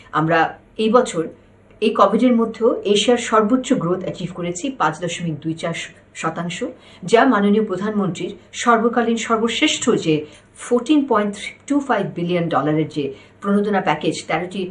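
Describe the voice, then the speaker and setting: A medium-pitched woman with lively intonation. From Bangladesh. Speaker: diplomat. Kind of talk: recorded statement. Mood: solemn, formal. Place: office.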